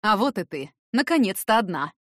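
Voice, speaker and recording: A woman's voice: medium pitch, very animated, brisk, dry recording, clean studio sound. A woman voicing a cocky, menacing young man who taunts in a smirking way.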